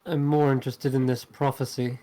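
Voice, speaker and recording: A man improvising in character as a tabletop game player, speaking in a halting, measured, matter-of-fact way. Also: mid-range voice, level tone, background noise. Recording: music playing behind the voice.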